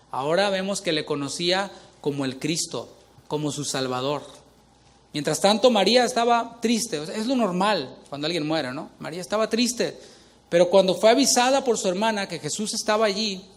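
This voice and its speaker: A middle-aged male pastor preaching a sermon, asking the congregation questions as he reads scripture. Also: high-pitched.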